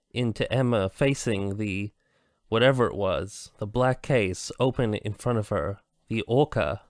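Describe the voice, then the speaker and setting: A man reading a novel aloud slowly, with halting restarts, as an amateur audiobook reader. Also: mid-range voice, dry recording, studio quality.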